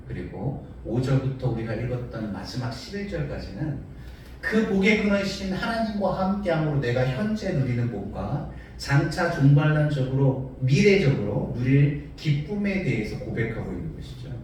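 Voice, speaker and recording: Over noticeable background noise and audible room echo, a man at medium pitch speaks at a moderate pace with very wide pitch swings. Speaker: preacher. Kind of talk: sermon.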